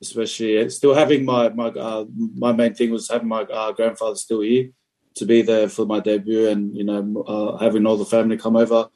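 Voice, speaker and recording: A man in his twenties from Fiji, answering interview questions in a relaxed, hesitant way with many fillers. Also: on the low side, fairly quick, poor audio. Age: 20s. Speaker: rugby league player, guest.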